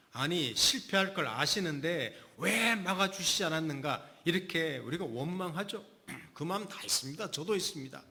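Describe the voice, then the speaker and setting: Middle-aged guy preaching, lively up and down voice, keeps asking the church questions. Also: fairly high pitch. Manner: emphatic preaching with rhetorical questions to the congregation. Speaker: pastor. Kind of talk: sermon.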